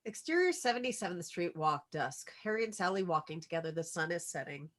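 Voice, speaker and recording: A woman's voice: on the low side, animated, brisk, a bit bright. A woman reads out stage directions as scripted narration for a screenplay table read.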